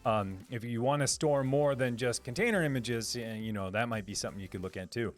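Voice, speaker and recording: A man hosting a casual live stream, talking to his chat in an upbeat, rambling way with plenty of "uh"s and restarts. He speaks at an ordinary middle pitch, and his voice sits a little lower than usual today. Faint music plays quietly behind him. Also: a little fast. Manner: rambling and upbeat, many fillers and restarts, laughs often.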